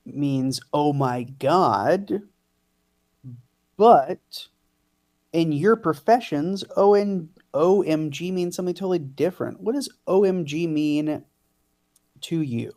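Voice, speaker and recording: Hesitant, slow-talking man hosting improv. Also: a little high, lively intonation, a little mellow. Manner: hesitant, full of drawn-out fillers. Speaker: host.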